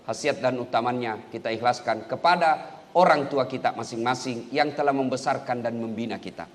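A man preaching a sermon, swinging between loud calls and soft murmured prayers. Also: mid-range voice, moderate pace. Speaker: Islamic preacher. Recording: long hall reverb.

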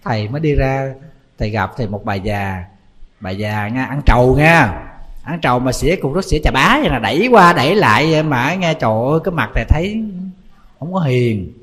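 A man, a Buddhist monk giving a lively storytelling sermon full of exclamations. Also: medium pitch, a little fast, slightly rough.

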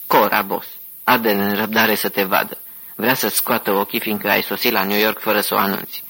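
A man's voice: on the low side, flat delivery, pushed and bright, breathy edge, exaggerated voice, poor audio. A man voicing a loyal male mob lieutenant who reports in a plain, deferential way in an audiobook. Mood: amused.

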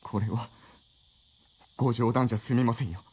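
丁寧だが苛立った若い男, 中くらいの高さ, ラジオドラマ. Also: male voice, mid-range voice, steady tone, normal speed, a little mellow, husky. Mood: indignant. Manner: agitated, pressing questions. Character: earnest young male writer's companion, indignant. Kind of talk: radio drama acting.

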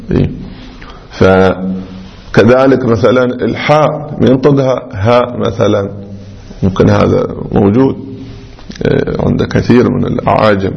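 Male seminary teacher, low gravelly voice, patient step-by-step lecturing, lo-fi dull recording. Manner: explains step by step, repeating examples and sounding out letters. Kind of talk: religious jurisprudence lecture.

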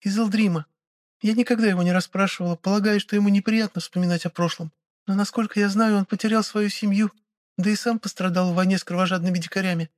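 A man voicing a gentle, caring young noblewoman who speaks softly and earnestly. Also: high voice, steady tone, fast, no room sound, studio quality, voice pushed up, close to an everyday voice. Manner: soft, earnest, kind. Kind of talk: audiobook character voice.

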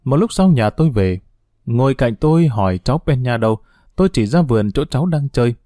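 A man reading an audiobook as narrator in a steady, somber manner, close to the mic. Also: mid-range voice, fairly quick, no room sound.

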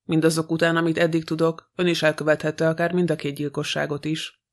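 A stern French police detective, curt and cold, as a male reader voices him in an audiobook. He speaks in a slightly high, almost unmoving tone. Each word is clipped and dry. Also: monotone, natural voice.

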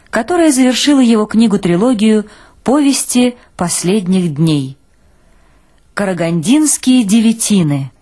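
A woman's voice: medium pitch, mellow. A woman announcing a literary radio programme from a script.

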